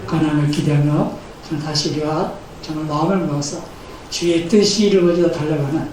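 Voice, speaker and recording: A man's voice: on the high side, steady tone, a little fast. A man in his fifties preaching a sermon as pastor, earnest and building emphasis as he speaks. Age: 50s. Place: church sanctuary. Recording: echoey church hall, mic at a distance, faint noise.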